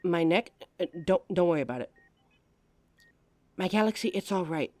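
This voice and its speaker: A woman playing a devoted, protective werewolf lover in an audio drama, anxious, tender and halting. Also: lowish voice, lively intonation, a little mellow, dry recording, close to an everyday voice. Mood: reassuring.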